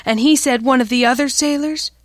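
Woman playing a high-voiced, coy cabaret dancer. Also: fairly quick, no echo, clean studio sound, natural voice. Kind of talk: pulp radio drama acting.

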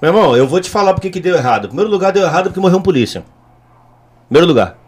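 A middle-aged man with a notably high voice speaks in casual interview storytelling. He hammers his points home with blunt repetition. He sounds like a former officer turned politician holding forth. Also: sing-song, racing, breathy edge.

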